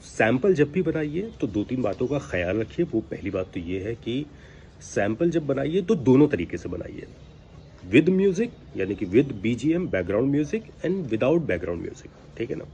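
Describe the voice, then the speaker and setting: Here a voice-over coach lectures casually, pressing his points hard and chiding listeners with rhetorical questions. He speaks unhurriedly in a mid-range, sing-song voice with a dark tone, and the audio is muffled. With no mic attached, the device's own microphone picks up background noise from outside.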